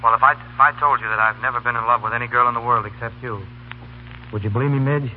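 An actor playing an earnest, easily exasperated young college student in love, speaking haltingly in a 1930s radio comedy. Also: male voice, medium pitch, fairly even intonation, lightly acted. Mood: halting, pleading. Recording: tinny, hissy 1930s radio recording.

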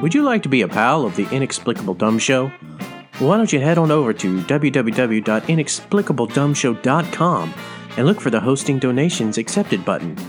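Animated male podcast announcer over guitar. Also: mid-range voice, a little fast. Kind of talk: scripted promo read. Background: guitar music.

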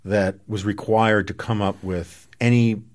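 A man's voice: on the low side, fairly even intonation, a little slow. A man hosting a podcast, talking casually and discursively, riffing on analogies. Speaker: podcast host. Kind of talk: casual political conversation.

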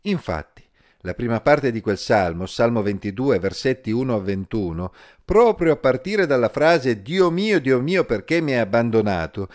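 A man calmly reading scripture and giving a measured Bible commentary as the host of an episode series. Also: medium pitch. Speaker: Bible teacher.

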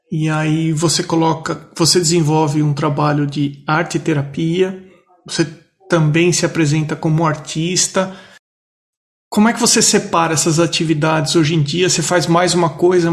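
A man's voice: fairly high pitch, fairly even intonation, normal speed, vocal fry. A man with a Brazilian accent hosting a podcast, speaking in a conversational interview style. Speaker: podcast host.

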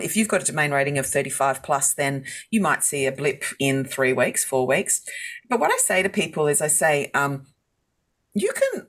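A middle-aged Australian woman, a podcast guest, talking candidly and laughing easily. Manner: candid, laughs easily, animated pitch jumps. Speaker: guest, content writing agency founder. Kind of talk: podcast interview.

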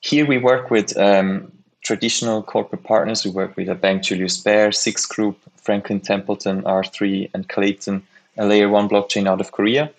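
A man's voice: fairly low pitch, steady tone, moderate pace. A man from Switzerland who leads a startup incubator, speaking eagerly as a podcast guest and often repeating words as he goes. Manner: eager, repeats words while finding them. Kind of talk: casual interview answers.

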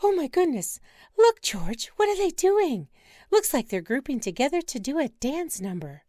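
A woman voicing an excitable, gushing wife who loves penguins. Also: high voice, slow, no echo, studio quality, voice pushed up, full character voice. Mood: excited. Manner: gushing, squealing, giddy. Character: excitable penguin-loving middle-aged wife.

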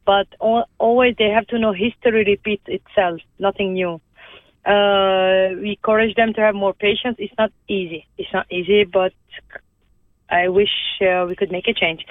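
A woman from Lebanon, Armenian by first language, speaks by phone as a guest in a conversational interview. Her mid-range voice holds a steady tone on a dry recording, and she is earnest but halting, restarting many times.

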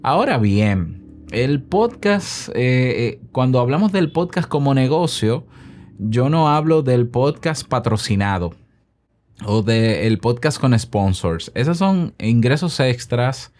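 A man's voice: medium pitch, lively intonation, takes it slowly, a little mellow. A man from the Republic, hosting his own podcast in a chatty, self-promoting way with rhetorical questions. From Dominican Republic. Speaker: podcast host. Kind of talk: solo podcast monologue.

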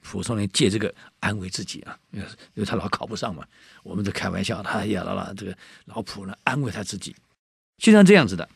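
A man retells an old tale in a chatty, lively way, turning to his listeners now and then. His low voice is gravelly and husky, and the recording is close and dry. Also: fast talker, dry recording. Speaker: storyteller. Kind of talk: casual oral storytelling to an audience.

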